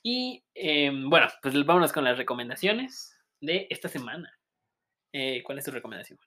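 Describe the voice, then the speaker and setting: A young man with a Mexican Spanish accent chats through a casual podcast episode. He laughs a lot, restarts his sentences and leans on fillers as he goes. His pitch is plain and middling. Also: sing-song, sharp tone. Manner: laughs often, halting with many fillers and restarts. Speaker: podcast co-host. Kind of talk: casual chat.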